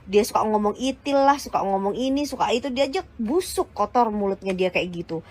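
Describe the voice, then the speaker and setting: A woman's voice: medium pitch, animated, a little fast, a little mellow, slight background noise. Heated woman ranting in blunt slang. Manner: heated, insulting and combative. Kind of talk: angry rant to followers.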